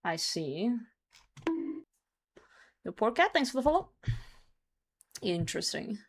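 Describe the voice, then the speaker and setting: Reacting to chat and the game, this young female streamer is hungover and sweary as she talks casually on her live stream. Her medium-pitched voice swings broadly in pitch, and her delivery is slow.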